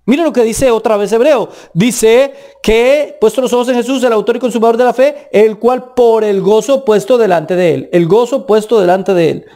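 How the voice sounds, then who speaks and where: A man with a Colombian accent preaching a sermon, emphatic, with pitch that rises and drops sharply for stress. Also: moderate pace, hardly any pauses, warm tone.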